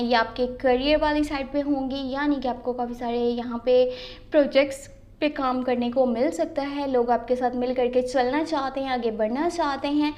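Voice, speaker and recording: A tarot reader and channel host from Pakistan, this woman has a high voice with a darkish tone and a slightly sore throat. She gives her viewers a reading while blending in English phrases.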